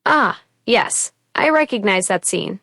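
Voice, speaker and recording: A woman's voice: mid-range voice, slow, creaky, dry recording. A synthetic female voice assistant answering politely and evenly. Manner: polite, even, helpful phrasing.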